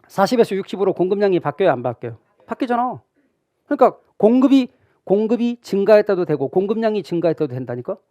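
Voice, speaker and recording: Middle-aged guy teaching a real estate exam class, pretty high voice, dry close sound. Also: no room sound, muffled recording. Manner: animated, asks students questions and answers them himself; acts out imagined student questions. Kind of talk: classroom lecture.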